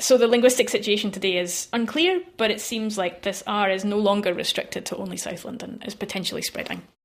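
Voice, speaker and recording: A woman speaks at a very fast pace with medium pitch and ordinary pitch variation. Her loudness swings widely over noticeable background noise. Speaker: linguist. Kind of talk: interview explaining research.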